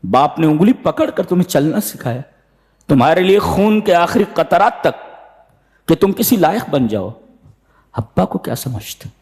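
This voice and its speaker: Male preacher, really lively pitch, jumps way up to act out characters, slow chant on the verses, long hall echo. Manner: animated storytelling, acts out voices with sudden high pitch. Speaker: Quran commentary preacher. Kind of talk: sermon. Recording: hall reverb.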